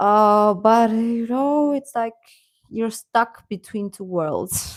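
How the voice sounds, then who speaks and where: With a Romanian accent, a woman at a fairly high pitch speaks at a very slow pace with ordinary pitch variation. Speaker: YouTuber, K-pop fan channel host. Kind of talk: live stream chat. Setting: home live stream. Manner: halting.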